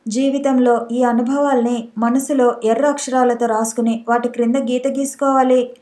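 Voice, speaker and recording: A woman's voice: a little high, level tone, moderate pace, mellow. A woman narrating a novel as an audiobook, reading steadily and evenly.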